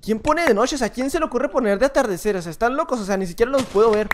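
A man's voice: extremely high pitch, very fast. Mexican-accented male gamer, jumpy running commentary, loops little phrases, a faint hiss underneath. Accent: Mexican Spanish. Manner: excitable, repeats short phrases over and over, talks to himself. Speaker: gaming youtuber. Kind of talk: live gameplay commentary.

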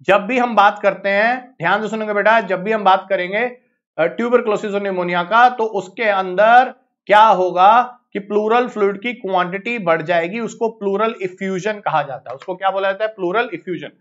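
A man with an Indian accent teaching biology in a live online exam-prep lecture, brisk and coaxing, repeating phrases to hurry his students along. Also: high voice, fairly bright tone. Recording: slightly dull lo-fi audio.

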